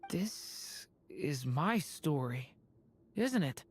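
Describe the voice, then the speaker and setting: Soft-spoken young dragonborn; slow, gentle delivery. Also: male voice, on the high side, slightly rough, exaggerated voice. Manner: soft, wistful, calm. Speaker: game character.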